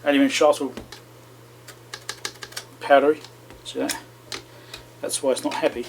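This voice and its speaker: A man's voice: mid-range voice, fairly even intonation, moderate pace, background noise. Man muttering through a bench repair. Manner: muttering to himself as he works, chatty asides to viewers. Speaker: electronics repair channel host. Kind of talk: casual running commentary while repairing.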